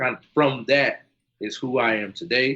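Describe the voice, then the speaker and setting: At a moderate pace, a man talks in a normal speaking voice. His pitch shows ordinary pitch variation. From US South, eastern North Carolina. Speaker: podcast guest, PhD holder. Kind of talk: casual interview.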